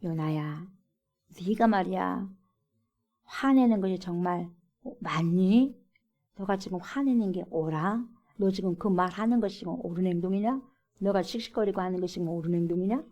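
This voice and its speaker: A woman's voice: fairly low pitch, normal speed, dark tone, dull audio. A woman preacher voicing God as a stern father, scolding a sulking prophet with pointed questions. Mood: questioning.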